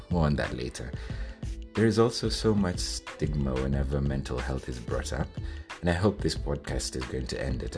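Podcast host, man from Kenya, young adult, extremely deep voice, earnest scripted read over a music bed.

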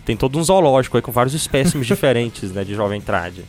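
A man's voice: medium pitch, expressive, fast talker, a little mellow, faint music behind. A man co-hosting a podcast, explaining and teasing in casual chat. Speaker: podcast co-host.

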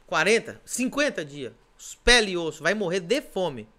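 A man's voice: sits high, big pitch swings, moderate pace, bright, forceful tone. A Brazilian man, a pastor, preaching on a podcast in an emphatic way, repeating his points and firing off rhetorical questions. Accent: Brazilian Portuguese.

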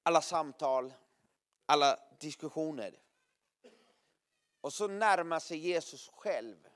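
A man's voice: on the high side, a bit bright, clear, resonant tone. A man preaching a sermon to a gathering, telling vivid stories with sound effects and frequent laughter. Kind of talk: sermon with lively storytelling.

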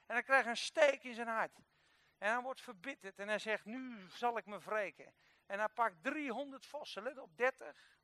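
A man preaching a sermon, telling a Bible story in a lively way and acting out the characters, with sudden jumps from quiet to loud. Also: very high voice, normal speed, no room sound.

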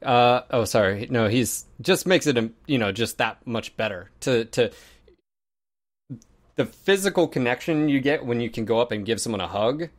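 A man who streams, co-hosting a casual gaming show in a relaxed, loose way. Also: mid-range voice, normal speed. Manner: relaxed, loose, says like a lot. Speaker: streamer and co-host. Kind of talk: casual chat.

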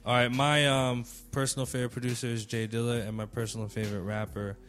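A man's voice: mid-range voice, little pitch movement, quick pace, fairly bright tone. A man who works as a music producer hosting a panel in casual, slangy, conversational talk with some swearing. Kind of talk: casual chat.

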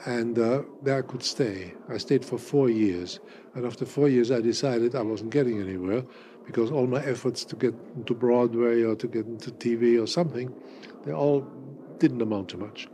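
Eighty-year-old man, German native, wry and unhurried, faint background hiss. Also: mid-range voice, mellow. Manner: measured, wry, with many fillers and restarts. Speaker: interviewee, cabaret artist. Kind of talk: reflective interview answers.

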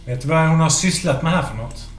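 A man's voice: a little high, slight background noise, natural voice. A man playing a curt, sardonic woman of the house. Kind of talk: in-character tabletop role-play. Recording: roomy.

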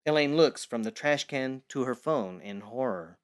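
A man's voice: mid-range voice, animated, moderate pace. A man narrating a scripted audio drama in the present tense.

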